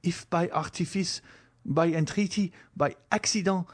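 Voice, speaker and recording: Guy doing a heartbroken young woman, high and pleading, begging through tears in an audiobook. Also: measured pace. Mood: impassioned. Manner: impassioned, tearful pleading. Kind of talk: audiobook reading.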